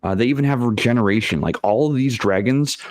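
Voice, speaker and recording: A man's voice: medium pitch, fast, dry recording. A man casually explaining tabletop game ideas in short, hesitant phrases. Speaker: panelist on a role-playing show.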